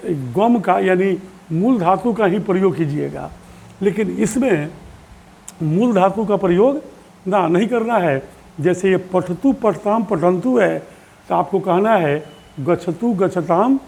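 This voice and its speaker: A man's voice: high-pitched, gravelly, a little mellow, husky. A male teacher giving a lesson to pupils, patiently repeating forms aloud and asking them questions. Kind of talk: online classroom lesson.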